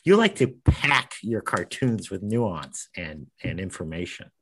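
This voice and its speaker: A man's voice: sits low, sing-song, a little slow, a bit bright, breathy edge. A man hosting a cartoonist podcast in casual chat, with dry, teasing humor.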